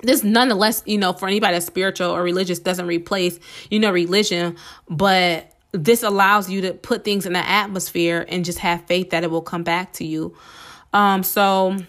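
A woman hosting a casual solo podcast, chatty and encouraging with many fillers, her voice slightly hoarse from a cold. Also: fairly low pitch, fairly even intonation, normal speed, fairly bright tone. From United States. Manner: chatty and encouraging, many "um"s, addresses listeners as "y'all". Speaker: podcast host.

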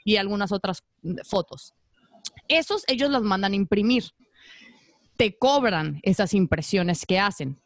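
With a mid-range voice, a little slow and marked by long pauses, a woman with a Mexican Spanish accent chats casually as a podcast guest. A former model, she tells stories animatedly, performing the quoted voices, in a dry recording of studio quality.

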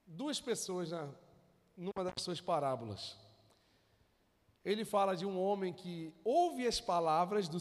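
Casting note: high-pitched Carioca preacher, lively and exhorting, reverberant church hall. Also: male voice. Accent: Carioca Brazilian Portuguese. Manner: animated, exhorting the congregation. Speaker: pastor. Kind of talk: sermon.

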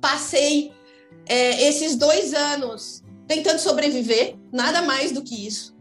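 Here the same kind of speaker, a woman in her thirties from São Paulo with a Brazilian Portuguese accent, talks slowly in a high voice. As a guest in a candid conversational interview, she is reflective and frank, thinking out loud, while faint music plays in an echoey space.

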